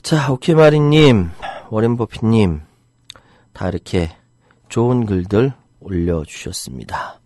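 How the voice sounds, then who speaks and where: A man's voice: fairly low pitch, expressive, unhurried, a little mellow, dry recording, studio quality. A middle-aged man hosting a live online talk show, reading listener comments and mixing heated outbursts with jokey banter. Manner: heated, indignant outbursts about rights. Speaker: internet radio host reading listener comments.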